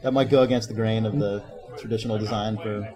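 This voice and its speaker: A man's voice: on the low side, steady tone, quick pace, darkish tone. A man hosting a casual podcast interview, recorded in an echoey hallway. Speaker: podcast host interviewing a guest. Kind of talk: casual chat. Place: open convention hallway at a game table. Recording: echoey hallway with crowd chatter. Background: crowd noise, people at nearby tables.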